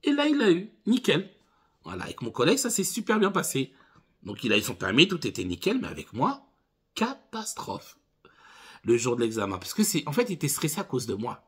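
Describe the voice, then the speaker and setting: A man's voice: a little high, fairly quick, husky. A man in his thirties, a driving instructor, telling funny anecdotes casually to his viewers. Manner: animated anecdotes addressed to viewers as 'les gars'. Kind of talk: casual storytelling to camera.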